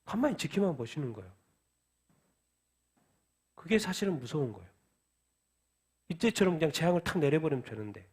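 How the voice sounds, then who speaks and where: A man's voice: a little high, big pitch swings, fairly quick, pauses often, darkish tone, slightly rough. A man preaching a midweek sermon who asks questions and answers them himself. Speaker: pastor. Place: church.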